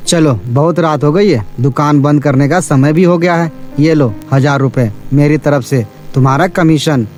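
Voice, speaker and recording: Guy playing a shop owner boss in a cartoon tale, high for a man, emphatic, music behind. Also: normal speed, hardly any pauses, darkish tone, natural voice. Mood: jovial, generous. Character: male shop owner, jovial boss turned harshly angry.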